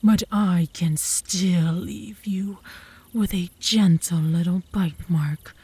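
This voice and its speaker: A woman voicing a flirtatious, obsessive werewolf woman in an ASMR roleplay, with a breathy, teasing drawl that often drops to a whisper, close to the mic. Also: lowish voice, warm tone, no echo, heavily acted. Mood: possessive, seductive. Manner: slow, teasing, seductive drawl. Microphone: close ASMR microphone.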